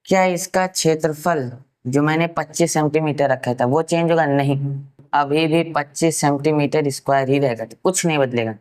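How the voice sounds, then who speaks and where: A man from Uttar Pradesh giving a science lesson, asking rhetorical questions and answering them himself, and slowly repeating key terms for note-taking. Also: a little high. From Uttar Pradesh, India. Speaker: science teacher. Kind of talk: classroom science lecture.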